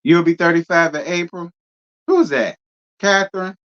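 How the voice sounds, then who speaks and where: A man's voice: high voice, normal speed, a bit bright, muffled recording. A man in his thirties hosting a casual live stream, reading viewer comments and answering with a sassy, drawling manner and frequent laughter. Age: 30s. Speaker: host reading live chat.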